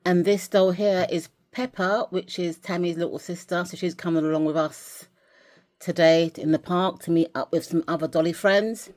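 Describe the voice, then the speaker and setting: A woman's voice: fairly low pitch, fairly even intonation, moderate pace, darkish tone. A woman from England chatting casually in a vlog as she shows dolls and a journal, rambling a little with restarts. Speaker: vlogger.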